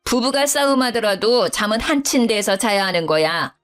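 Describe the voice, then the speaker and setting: A woman's voice: expressive, normal speed, fairly bright tone, soft background music. A woman voicing a domineering older mother-in-law who scolds and talks down to her daughter-in-law. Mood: scolding. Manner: scolding, shrill, condescending.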